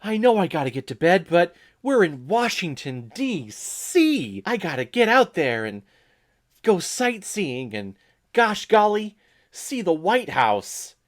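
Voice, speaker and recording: Man voicing a young boy, wide-eyed, eager, gee-whiz wholesome, slightly raised pitch. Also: sing-song, takes it slowly, exaggerated voice.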